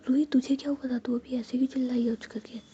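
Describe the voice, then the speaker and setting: A cheeky young woman friend whispers her teasing remarks, as a woman storyteller puts her on. The voice is mellow and dark, heard through a dull lo-fi recording with faint hiss. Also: high voice, flat delivery, quick pace, natural voice.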